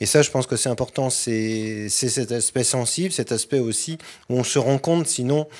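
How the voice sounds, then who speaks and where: A man talks at a moderate pace and a medium pitch, with ordinary pitch variation, in a normal speaking voice. The recording is very clean, with a silent background. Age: 60s. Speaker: pianist and author on a panel. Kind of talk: panel discussion.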